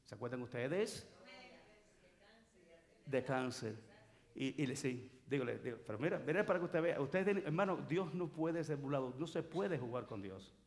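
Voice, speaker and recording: A man's voice: medium pitch, moderate pace. A man, a pastor preaching a sermon in church, telling stories and acting out the people in them. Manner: animated storytelling preacher, acts out dialogue. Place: church sanctuary.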